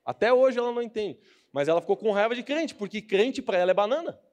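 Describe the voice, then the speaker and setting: A man's voice: sits high, expressive, fast, darkish tone. A young man with a Brazilian Portuguese accent giving a casual, joking youth sermon as a preacher, acting out the people he quotes.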